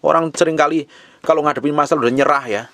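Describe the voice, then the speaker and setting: A man's voice: a little high, steady tone, very fast, a bit bright, no echo. Blunt scolding male preacher, dry sound. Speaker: pastor. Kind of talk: sermon.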